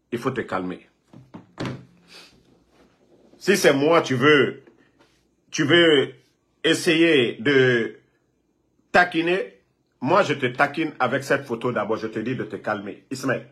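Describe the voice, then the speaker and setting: A man's voice: mid-range voice, a bit bright. A man from Guinea, ranting and scolding a rival on a live phone video, repeating himself. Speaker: political online commentator.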